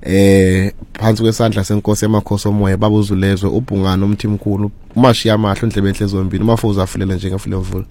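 A man's voice: lowish voice, level tone, racing, few pauses, warm tone. A South African man speaking as a spiritual guest on the radio, greeting listeners formally and reciting long lists of names and praise names before teaching.

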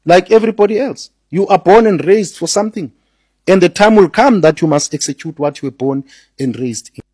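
A man's voice: sits high, expressive, brisk, a little mellow, husky, dry recording, clean studio sound. A man speaking as a radio guest, teaching earnestly about spirit and religion, often repeating words as he builds a point and slipping into Zulu.

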